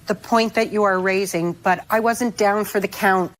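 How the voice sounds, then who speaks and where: A woman plaintiff in a TV court, giving her account to a judge in a polite, measured way. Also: mid-range voice, steady tone. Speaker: plaintiff in small-claims TV court. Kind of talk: testifying to a judge.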